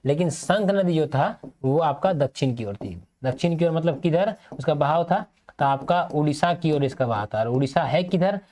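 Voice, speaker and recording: A man's voice: a little high, moderate pace, darkish tone. A male teacher giving an exam-prep lecture, asking and answering his own questions and repeating key points so students remember them.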